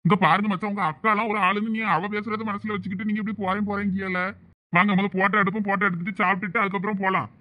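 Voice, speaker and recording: A man's voice: sits high, level tone, racing, phone-quality sound, lightly acted. A man voicing a flustered young village husband in a comic cartoon family drama, with a Thoothukudi Tamil accent and a pleading, coaxing manner. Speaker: cartoon voice actor.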